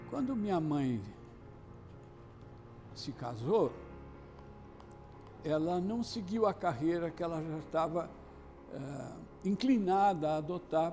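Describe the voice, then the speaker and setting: A man recalling old memories in an unhurried testimony, often adding "né". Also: on the high side, mellow. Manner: nostalgic, unhurried, with many "né" tags. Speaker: interviewee sharing memories. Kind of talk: reminiscing testimony. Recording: piano music underneath.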